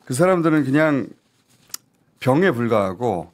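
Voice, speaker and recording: Indignant man with a lively voice. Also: medium pitch, unhurried. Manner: indignant, emphatic, urgent. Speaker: political commentator. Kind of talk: news talk-show commentary.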